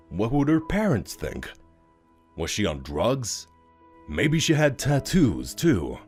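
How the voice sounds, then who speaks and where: A low-voiced man narrates a scripted story with lots of rise and fall. His delivery is dramatic and expressive, with music playing behind him.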